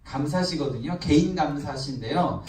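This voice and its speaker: A man's voice: a little high, normal speed, darkish tone, slight background noise. A man, a pastor, teaching a Bible study class to people in the room, asking them questions and answering them himself. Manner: acts out prayers in an emphatic voice. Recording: echoey room, mic at a distance.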